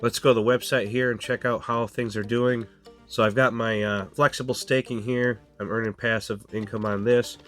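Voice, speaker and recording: A man's voice: medium pitch, level tone, moderate pace, soft background music. A man hosting a casual crypto walkthrough, sounding stuffy and nasal from a cold, talking loosely with lots of fillers. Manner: casual, filler-laden, repeats "go ahead" and "guys". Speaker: crypto channel host. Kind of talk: screen-share walkthrough, casual explainer.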